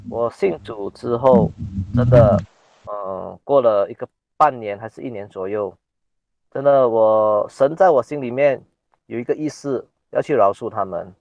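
A young man from Malaysia telling his personal testimony, speaking hesitantly with halting restarts. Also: medium pitch, gravelly, darkish tone, no echo, lo-fi sound.

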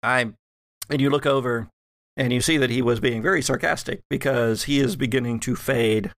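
A man narrating a tabletop horror game as game master, deliberately and with dramatic pauses. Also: medium pitch, a bit bright, dry recording, studio quality.

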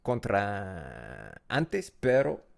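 A man's voice: lowish voice, wildly swooping pitch, very slow, gravelly. A man who is not a native Spanish speaker, co-hosting a casual podcast as a learner and hesitating while he searches for words.

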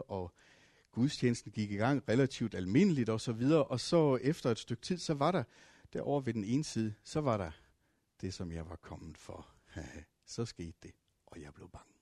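A preacher tells his stories in a husky, breathy voice. He swings from loud bursts to near whispers, with fillers and restarts. The room sounds dry and close. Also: mid-range voice, no echo. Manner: dramatic swings from loud to hushed. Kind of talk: sermon with travel stories.

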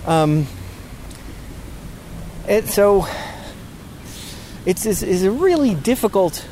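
Guy with a sore throat rambling outside in a park, stops and restarts a lot, kinda higher voice but soft and mellow, faint noise behind. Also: big pitch swings. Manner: halting, many restarts and fillers, frustrated. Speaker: podcast host. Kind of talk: casual spoken reflection, walking outdoors. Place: outdoors in a park near road works.

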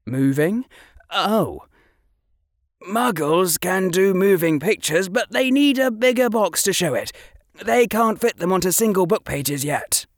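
Male reader as a clever earnest boy lecturing, lively and gravelly, unhurried. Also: high voice, no echo, studio quality, voice pushed up. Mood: proud, explaining. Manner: earnest lecturing with proud tremble. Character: precocious earnest boy explaining science.

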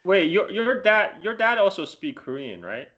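A man's voice: high-pitched, very animated, moderate pace, fairly bright tone. A man hosting a casual conversation, dropping in brief reactions and follow-up questions. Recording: dull lo-fi audio.

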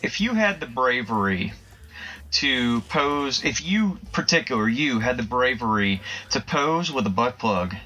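A man's voice: medium pitch, animated, a little slow, sharp tone, low-quality recording. A man co-hosting a comedy podcast, chatting casually in a teasing, playful way and laughing easily. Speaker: podcast co-host.

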